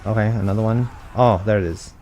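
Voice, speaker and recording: A soft-spoken young man chatting casually while live-streaming a game, reading chat aloud and thinking out loud with a gentle voice. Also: on the low side, fairly even intonation, fairly quick, highs cut off, slight background noise.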